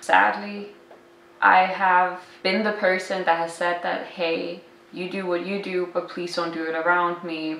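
A woman talks at a fairly slow pace with ordinary pitch variation, and the room echo is audible. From Denmark, Jutland (Midwest region). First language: Danish. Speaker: travel vlogger. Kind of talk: commentary. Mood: serious, concerned. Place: home room.

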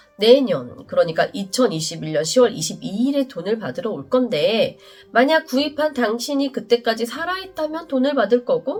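With music in the background, a woman speaks at a moderate pace in a high pitch, her pitch swinging very widely. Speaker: mystery storyteller. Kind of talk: mystery story narration.

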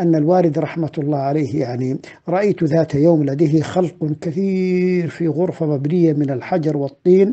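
An unremarkable speaking voice from a man, pitched fairly high. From Saudi Arabia, Jazan region. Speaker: academic recounting his life. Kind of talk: interview, life story. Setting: interview, evening. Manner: formal.

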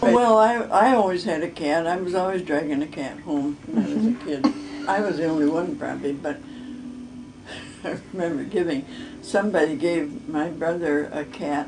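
A woman with an Upper Midwest accent, fairly low pitch and very wide pitch swings at a moderate pace, over noticeable background noise. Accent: Upper Midwest American. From northern Michigan. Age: 80s+. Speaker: storyteller. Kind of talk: interview answer. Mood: relaxed, reminiscing. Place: home room. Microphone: camera far.

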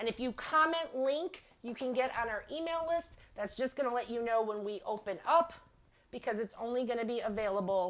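A woman speaks in a high voice at a fairly quick pace. Her intonation is lively. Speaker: craft video host. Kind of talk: live craft tutorial. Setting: live stream video. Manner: animated. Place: home room.

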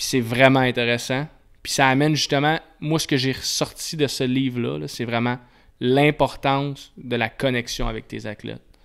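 Against a quiet background, a man with a Quebec accent speaks with fairly even intonation. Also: moderate pace. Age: 20s. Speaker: university football coach. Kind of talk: casual interview. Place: home room.

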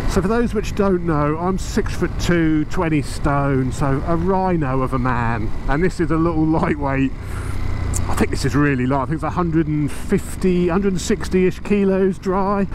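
Man at a fairly slow pace with ordinary pitch variation, noticeable background noise behind. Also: dry sound with no echo. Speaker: motorcycle vlogger. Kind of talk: casual ride commentary. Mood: eager, upbeat. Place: motorbike. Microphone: helmet.

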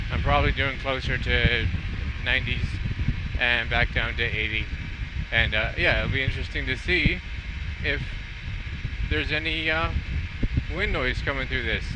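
A man speaks with long, frequent pauses over loud background noise, and the sound is dry with no echo. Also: moderate pace. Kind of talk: casual vlog chat. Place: motorbike. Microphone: lapel.

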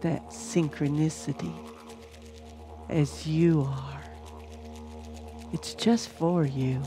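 A woman with a very deep, low pitch speaks very slowly in a calm tone, her pitch swinging very widely. Long, frequent pauses break her speech as music plays in the background. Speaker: minister; meditation guide. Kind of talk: guided meditation. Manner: calm, slow.

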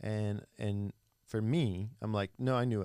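Ordinary pitch variation over a quiet background, with a dry sound with no echo. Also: man. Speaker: podcast host. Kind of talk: casual interview chat. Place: studio. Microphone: studio mic.

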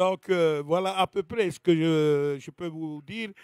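In a dry, close sound with no echo and a silent background on a very clean recording, a man speaks very slowly in a high voice with ordinary pitch variation. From Marquesas Islands, Ua Pou. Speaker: storyteller and author. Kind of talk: book presentation talk. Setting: stage with audience. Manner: halting.

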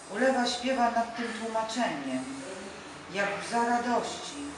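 Talking at a very slow pace, a woman with a fairly high pitch keeps her intonation fairly even. The room echo is audible, and background noise is noticeable. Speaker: poet reading own poem. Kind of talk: poem reading. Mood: calm, measured, reflective. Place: cafe.

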